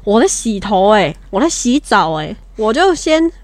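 A woman's voice: mid-range voice, sing-song, measured pace, dry recording. A young woman with a Taiwanese Mandarin accent who co-hosts a podcast, telling family stories in a blunt, fiery way and laughing as she talks. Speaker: podcast co-host, younger sister. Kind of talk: casual storytelling chat.

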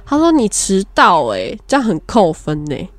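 A woman's voice: medium pitch, normal speed, dry recording. Young woman, Taiwanese Mandarin accent, frank, laughing, dry studio sound. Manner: animated storytelling, frank and laughing. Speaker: podcast co-host. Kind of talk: casual chat.

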